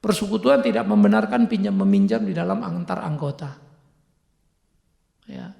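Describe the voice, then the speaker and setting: Male pastor, humorous storytelling sermon; high, very gravelly voice, roomy hall echo. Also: normal speed. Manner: humorous, animated, acts out dialogue, laughs often. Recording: echoey church hall.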